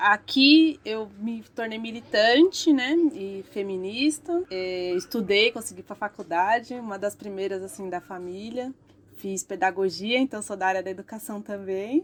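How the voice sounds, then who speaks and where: A woman's medium-pitched voice, fairly slow with hardly any pauses, lively intonation and big swings in loudness. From São Paulo east side periphery (born in Pernambuco, moved at two). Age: 30s. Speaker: feminist activist and educator. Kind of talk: podcast interview monologue.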